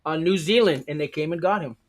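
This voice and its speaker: A man's voice: a little high, fast talker, slight background noise. Male host, chatty, shares anecdotes with his guest. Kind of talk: casual conversation.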